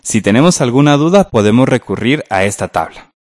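A man with a Guatemalan Spanish accent teaches verb forms from a textbook, patient and clear, often checking in with rhetorical questions. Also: mid-range voice, animated, a little fast, darkish tone, no echo, clean studio sound. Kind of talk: textbook grammar lesson.

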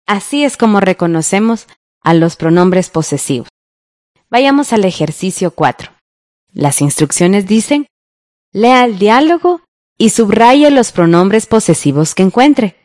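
A woman leads listeners through exercises on a radio lesson, friendly and guiding. Her mid-pitched voice sounds close and dry, with no room around it. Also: animated, a little slow, darkish tone, dry recording. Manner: friendly, guiding, asks the listener to follow along. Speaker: radio teacher, co-host.

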